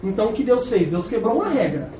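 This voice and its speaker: A man's voice: high-pitched, quick pace. A Brazilian man preaching a sermon in a church, talking to the congregation and asking them questions all the way through. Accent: Brazilian Portuguese. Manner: animated, rhetorical questions to the congregation. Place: church hall. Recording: echoey, distant, dull church recording.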